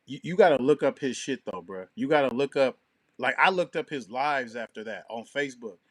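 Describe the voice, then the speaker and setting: A man's voice: mid-range voice, lively intonation, a little fast, crowd noise. A man co-hosting a talk show in casual, opinionated discussion, with a slangy and profane way of talking.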